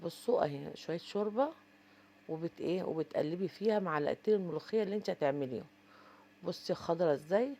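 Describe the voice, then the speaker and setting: Egyptian woman cooking host, quick and chatty, low mellow voice, dull lo-fi sound. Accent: Egyptian Arabic. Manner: chatty, addresses viewers directly, frequent fillers. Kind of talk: casual cooking tutorial.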